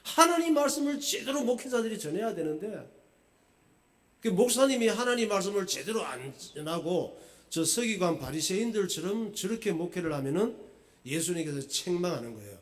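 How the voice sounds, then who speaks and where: Animated, high-voiced male pastor. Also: moderate pace. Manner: lively, colloquial storytelling with jokes. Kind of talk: sermon.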